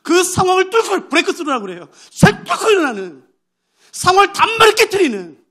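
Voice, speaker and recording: A man's voice: very high voice, big pitch swings, a little fast, a bit bright. A male pastor preaching a sermon, telling a story with great animation and acting out its characters' voices.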